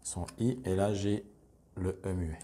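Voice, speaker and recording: Homme calme, voix grave et douce, qui explique pas à pas. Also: male voice, low voice, unhurried. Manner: calm, step-by-step, explanatory. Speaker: teacher explaining a reading method. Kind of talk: instructional demonstration.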